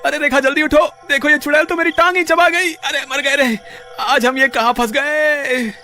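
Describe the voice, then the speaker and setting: A man's voice: very high voice, fairly even intonation, normal speed, pushed and bright, exaggerated voice. A man voicing a cowardly, whining man in a cartoon story, wailing in comic panic. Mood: panicked. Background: music.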